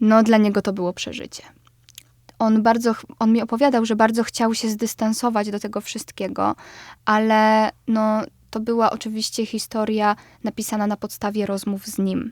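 A woman's fairly high, monotone voice at a moderate pace, flat in intonation, on a very clean recording with a silent background and a dry, close sound with no echo. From southeastern Poland (Podkarpacie). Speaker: acting student and playwright. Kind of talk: interview.

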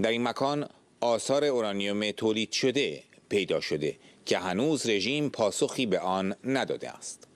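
A man speaks in a normal speaking voice at a medium pitch. He keeps a moderate pace against a quiet background. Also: ordinary pitch variation. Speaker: narrator reading statement. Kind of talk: reading aloud. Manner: formal.

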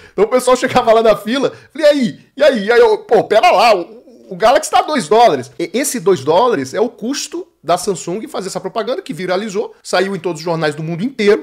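Animated and high-pitched, a man talks at a fairly quick pace with hardly any pauses. His pitch swings very widely against a quiet background. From Brazil. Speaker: digital marketing YouTuber. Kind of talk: tutorial.

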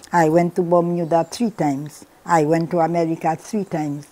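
At a moderate pace, a woman with a fairly low pitch and dark, mellow tone speaks in a monotone, flat way. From Dominica. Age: 80s+. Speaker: centenarian interviewee. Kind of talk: interview answer. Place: home room. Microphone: lapel.

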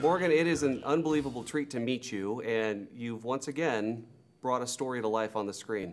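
Music plays in the background as a man speaks at a moderate pace with ordinary pitch variation. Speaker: voiceover artist, interviewer. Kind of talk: interview question. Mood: warm, enthusiastic. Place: hall.

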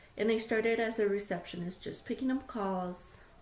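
A woman speaks with an American accent and fairly even intonation. Room echo is audible. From El Paso, Texas. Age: 20s. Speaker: community college student. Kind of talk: class introduction speech. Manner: hesitant, many fillers. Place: home room. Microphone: webcam.

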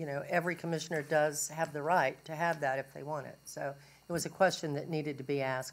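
A woman's very deep, low voice with fairly even intonation at a fairly quick pace. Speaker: meeting chair, county commissioner. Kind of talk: chairing a public meeting. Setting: council chamber. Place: hall. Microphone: podium.

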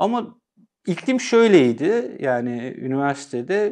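A man is speaking. The background is quiet. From Turkey, Thrace (Edirne); Turkey. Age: 40s. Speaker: investigative journalist. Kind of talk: oral history interview. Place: studio. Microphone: lapel.

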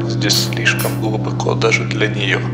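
Loud music plays in the background. Over it, a man talks at a fairly slow pace. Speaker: story narrator. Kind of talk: dramatic story reading.

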